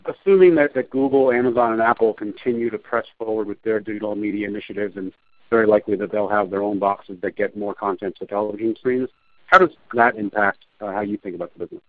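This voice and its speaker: A male analyst with a lowish voice fires off questions at a quick pace. He is heard over a tinny, dry phone line on an earnings call. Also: fairly even intonation, no echo. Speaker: financial analyst.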